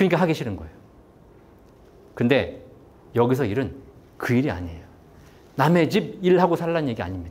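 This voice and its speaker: A man's pitch swings very widely. Audible room echo surrounds his voice. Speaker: pension expert lecturer. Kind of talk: public lecture. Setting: stage with audience. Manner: animated, rhetorical questions to audience.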